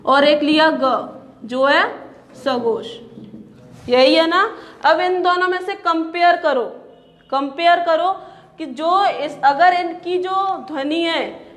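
A woman with a high voice gives a slow classroom lecture. She sounds out each syllable over and over, asks the class questions and then answers them herself. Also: fairly bright tone. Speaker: teacher.

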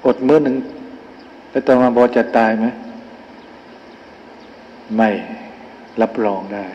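A monk gives an evening dharma sermon in a temple hall, a man of middling pitch. He presses his points with rhetorical questions and repeated phrases. The sound is dull and lo-fi, with a long hall reverb and faint noise behind. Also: slow pace, a little mellow. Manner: rhetorical questions, emphatic repetition.

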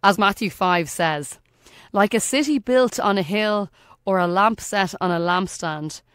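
A woman's voice: medium pitch, clear, resonant tone, dry recording, studio quality. An Irish woman hosting a faith podcast, reading a scripted reflection with earnest emphasis. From Ireland. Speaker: podcast host.

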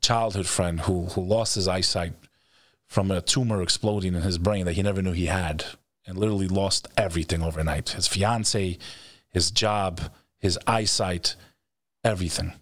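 A man's voice: low voice, fairly even intonation, normal speed, fairly bright tone, no echo. A middle-aged man hosting a show, talking in a blunt, emphatic, profane motivational style, repeating phrases for weight. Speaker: show host. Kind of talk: motivational interview talk. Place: indoor studio setup, video call. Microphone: close studio microphone on stand.

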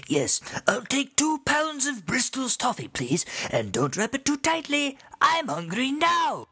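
A young man in his twenties voicing a dim, greedy cartoon dad in a high, breathy tone. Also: wildly swooping pitch, a little slow, bright, forceful tone, no room sound, exaggerated voice.

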